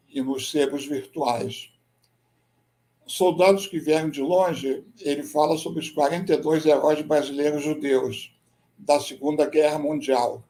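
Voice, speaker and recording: A Brazilian man, a military history researcher and writer, giving a measured, explanatory slide presentation and often tagging his sentences with a questioning "né?". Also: mid-range voice, dark tone. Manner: measured, explanatory, with frequent "né?" tags.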